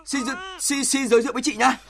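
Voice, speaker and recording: An actor playing a young soldier who talks in a rushed, stammering way as he helps deliver a baby. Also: very high voice, fairly even intonation, fairly bright tone, heavily acted. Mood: proud. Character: young male soldier, panicky and jokey helper. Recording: clear music behind. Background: music.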